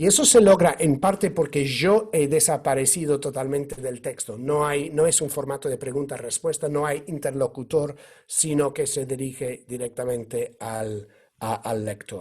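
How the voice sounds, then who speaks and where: Somewhat breathy, a man speaks at a fairly high pitch and a moderate pace. His pitch varies in an ordinary way. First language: English (speaking Spanish). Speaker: author. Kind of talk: book presentation talk. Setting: press conference. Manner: halting, many false starts.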